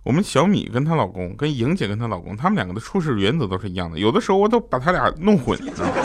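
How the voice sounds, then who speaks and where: A man hosting a comedy show, telling funny family stories and acting out his shouting relatives. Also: medium pitch. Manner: tells jokes and acts out shouting relatives. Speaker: comedy podcast host. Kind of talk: comic storytelling.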